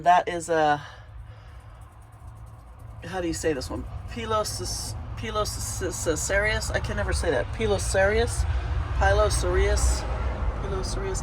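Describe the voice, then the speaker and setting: A woman's voice: sits low, a little hiss or hum, poor audio. A woman with a congested, sniffly voice chatting casually as she walks through her garden in the morning, pointing things out in a meandering way. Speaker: garden vlogger. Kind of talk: casual walk-through commentary. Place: outdoor home garden in early morning.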